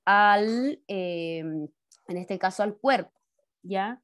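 A woman with a mid-range voice speaks very slowly as she teaches science online from home, her Chilean Spanish accent clear. She explains step by step, addresses the pupils as kids, and checks in with tag questions after each point, all through a laptop mic on a video call.

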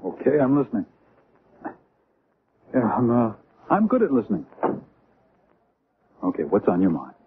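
A man's voice: medium pitch, wildly swooping pitch, moderate pace, pauses often. An actor playing a wry, jealous man, an anxious romantic rival, in a 1970s radio drama. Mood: anxious, urgent. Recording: noisy, narrow-band old radio recording.

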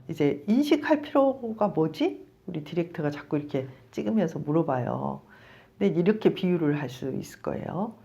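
A woman's voice: extremely low pitch, gravelly. A middle-aged woman, a psychology professor, giving a conversational video lecture on counseling and acting out bits of dialogue. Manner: animated, conversational, acts out quoted dialogue.

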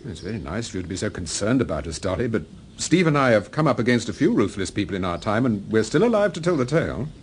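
An actor playing a suave, probing amateur detective in a radio drama, with a British accent. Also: male voice, on the low side, big pitch swings, fast talker, slight background noise. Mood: calm, insistent.

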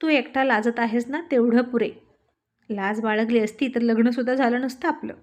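A woman's voice: fairly high pitch, steady tone, normal speed, close to an everyday voice. A woman voicing a playful young wife who coaxes and teases her husband. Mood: sulky. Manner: coaxing, teasing.

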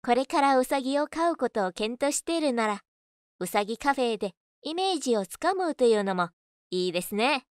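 A woman's voice: sits high, animated, brisk, smooth, dry recording, studio quality. A woman reading scripted narration as a voice-over artist. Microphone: studio condenser microphone on boom arm.

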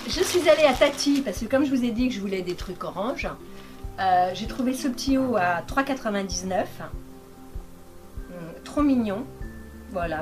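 A woman vlogger showing her shopping haul in a playful, chatty way, filmed by a cameraman. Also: on the high side. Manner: chatty and playful, with pet names for viewers. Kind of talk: casual chat to viewers. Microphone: camera microphone, filmed by a cameraman.

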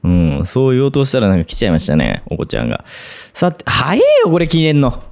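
A man's voice: mid-range voice, huge pitch swings, fast talker, gravelly, darkish tone. A man commenting on a horror game as he plays, muttering to himself and breaking into sudden yelps. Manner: jumpy, talks to himself, sudden yelps and laughs. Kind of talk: let's play commentary.

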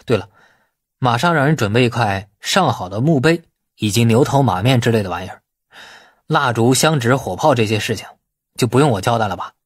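Man voicing a husky, shrewd, bossy man. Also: medium pitch, animated, fairly quick, no room sound, studio quality. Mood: brisk, persuasive. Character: shrewd, bossy man giving orders by phone.

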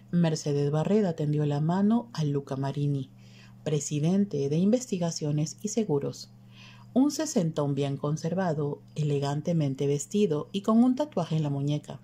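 Low, dark-voiced woman audiobook narrator.

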